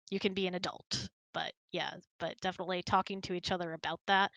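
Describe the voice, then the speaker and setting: Woman hosting a casual q&a, candid, bright crisp edge, very dry close sound. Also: on the low side, no room sound, low-quality recording. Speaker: host of a relationship Q&A hangout. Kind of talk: casual chat.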